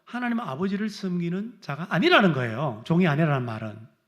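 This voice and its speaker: A middle-aged male pastor preaching a sermon, acting out complaints in a raised voice and then dropping low and quiet. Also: expressive, brisk.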